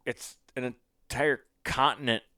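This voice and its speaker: Blunt, smooth-voiced man. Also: medium pitch, steady tone, measured pace, pushed and bright, dry recording. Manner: blunt, opinionated, swears freely. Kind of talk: casual chat.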